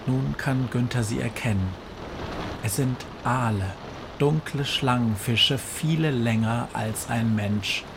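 A man reading a fairy tale aloud in a measured, solemn way that slows down for dramatic moments. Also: mid-range voice, background noise. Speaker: narrator. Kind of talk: scripted storybook narration.

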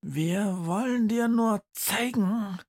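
A narrator voicing a menacing little girl, secretly a mouse, who speaks in a high hiss in an audiobook. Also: slow pace, a little mellow. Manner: hissing, high.

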